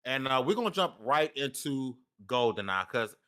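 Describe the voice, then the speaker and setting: A man's voice: mid-range voice, very animated, normal speed, fairly bright tone, clean tone. A man in his thirties hosting a casual gaming podcast, often restarting words as he runs the panel. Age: 30s. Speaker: podcast host.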